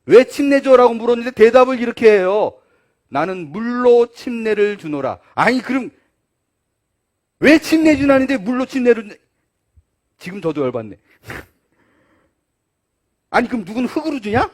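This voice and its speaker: A man's voice: extremely high pitch, big pitch swings, normal speed, pauses often. A male pastor preaching a sermon, acting out the dialogue of the story as he tells it.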